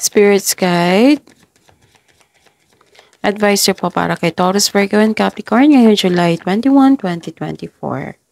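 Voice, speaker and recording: A young woman from the Philippines with a head cold, giving a casual tarot reading in a polite, halting way. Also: medium pitch, vocal fry, darkish tone, no room sound. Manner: polite, halting, stops and restarts often. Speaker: tarot reader.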